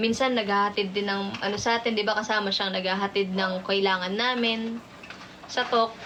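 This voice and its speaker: A woman speaks at medium pitch and a fairly quick pace, her voice shaky, with monotone, flat intonation and very even loudness. Noticeable background noise and audible room echo surround her. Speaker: livestreamer. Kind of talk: livestream chat telling a story. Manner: shaky voice.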